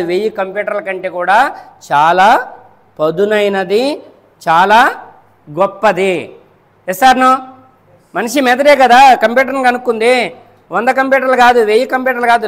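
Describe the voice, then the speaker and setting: High-voiced man preaching in an echoing hall. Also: a bit bright. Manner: rhetorical, keeps checking the listeners understand; repeats and counts off points. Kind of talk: Friday sermon. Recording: long echo of a large hall.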